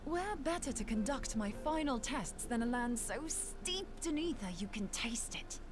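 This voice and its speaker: An actress playing a brash, teasing scholar in a video game, cheeky and colloquial. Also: female voice, a little high, lively intonation, unhurried, background noise. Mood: eager. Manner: cheeky, colloquial, playfully mocking. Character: brash, teasing adult female scholar, spirited and irreverent.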